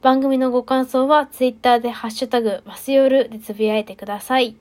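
A young woman, a bit high in pitch, talks alone into the mic on her show. She drifts through her story casually, full of fillers and little jokes at her own expense. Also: steady tone, fairly quick, a little mellow. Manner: chatty, self-deprecating, many fillers. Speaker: podcast host. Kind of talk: casual solo monologue.

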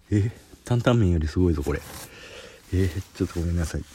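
On a solo podcast, a man speaking Kansai Japanese reviews a spicy snack in a low, expressive, mellow voice at a moderate pace; there's a little hiss or hum. The spice leaves him sweaty and runny-nosed, so he sniffles between chatty, self-deprecating remarks.

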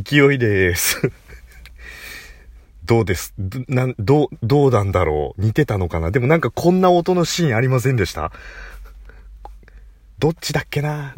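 A man hosting his own casual solo talk show, chatty and animated, laughing at himself as he rambles. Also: medium pitch, no room sound, studio quality. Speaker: podcast host.

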